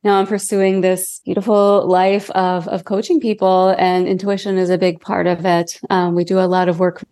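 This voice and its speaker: A woman's voice: fairly low pitch, level tone, normal speed, warm tone. A woman with a head cold and a cracking voice, explaining things in an earnest, informal, conversational way as a podcast guest. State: has a cold.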